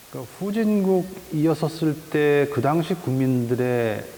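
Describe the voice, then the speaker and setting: Noticeable background noise accompanies a man talking with lively intonation. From South Korea. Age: 60s. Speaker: painter. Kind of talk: interview. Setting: artist's studio.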